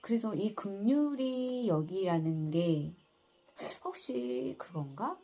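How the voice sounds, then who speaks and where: A middle-aged woman who works in insurance, telling a personal story in a soft, earnest and halting way, with many fillers. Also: mid-range voice, very animated. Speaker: insurance agent.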